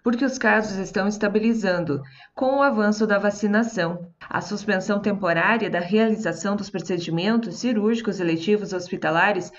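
A woman reporter reading a scripted news voice-over in a crisp delivery. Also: mid-range voice, muffled recording.

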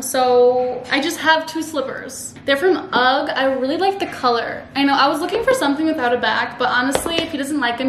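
Wrapping presents in her living room, a chatty young woman talks to her camera in a high, bright, bubbly voice, filling her sentences with "like." The camera sits across a table, and the indoor recording comes out echoey and roomy with constant background noise.

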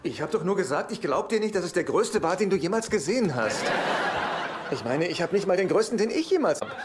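Hapless exasperated sitcom brother, higher-pitched. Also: male voice, very animated, fairly quick. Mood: hapless, pleading. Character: exasperated, hapless divorced brother, middle-aged man. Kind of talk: German-dubbed sitcom acting. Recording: very noisy sitcom soundtrack.

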